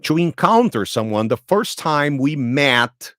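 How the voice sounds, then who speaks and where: A man in his thirties with a Brazilian Portuguese accent, a native Portuguese speaker, tells his own story slowly as an English lesson, repeating and rephrasing each sentence for learners. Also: fairly high pitch, big pitch swings, fairly bright tone, no room sound, studio quality. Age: 30s.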